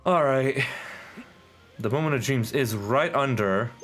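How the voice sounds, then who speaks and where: A man's voice: mid-range voice, a little slow, fairly bright tone. A man giving casual, slangy live-stream commentary on a video game, with muttered asides. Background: game music.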